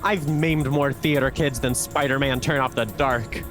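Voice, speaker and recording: A man's voice: mid-range voice, steady tone, moderate pace, over music, close to an everyday voice. A man voicing a pompous, aggrieved villainous theater director in a game, with overacted death-scene theatrics. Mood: aggrieved, boastful.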